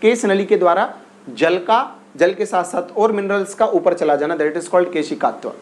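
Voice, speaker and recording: In a high, bright-toned voice, a man teaches an exam-prep class, repeating each question several times. He drills his students in a coaxing way and keeps urging them to answer quickly.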